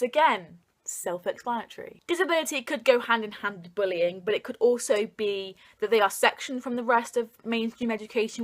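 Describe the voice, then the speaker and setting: A young woman speaks as the host of an opinion vlog, addressing her viewers directly. Her voice sits at an average pitch for a woman. She is informal and earnest, putting emphasis on her points. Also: a bit bright. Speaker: video host.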